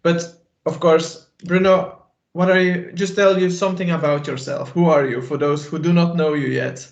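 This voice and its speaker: Gravelly man hosting a live stream. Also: fairly high pitch, fairly even intonation, moderate pace. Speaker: host. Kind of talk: hosting a live online talk. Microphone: video call. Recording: roomy, dull online call audio.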